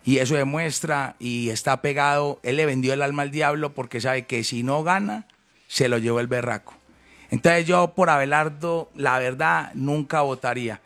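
A man's voice: medium pitch, moderate pace, a bit bright. A man in his fifties with a Colombian paisa accent, a presidential candidate talking emphatically in a heated interview. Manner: emphatic, repetitive, calls people brother.

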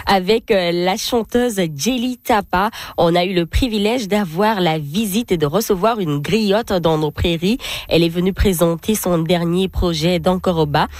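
A woman's voice: on the low side, a little mellow, no echo, studio quality. A woman co-hosting a radio culture segment, presenting reports in a chatty, playful way with many fillers. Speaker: radio co-host. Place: radio studio in Winnipeg.

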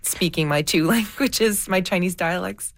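A woman documentary filmmaker answering interview questions thoughtfully, often pausing and restarting as she searches for words. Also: fairly low pitch, no room sound.

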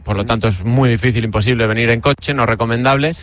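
A man's voice: mid-range voice, quick pace. A man with an accent from Spain giving a casual live radio report in a chatty way, often repeating his phrases.

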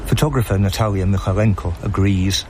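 Male reporter, low voice, calm scripted narration, radio feature report. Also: a little fast, a little hiss or hum. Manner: calm, even storytelling narration. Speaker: news reporter.

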